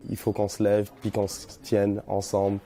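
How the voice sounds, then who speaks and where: A man's voice: on the low side, completely flat delivery, normal speed, dark tone. A man, speaking earnestly about rallying people together.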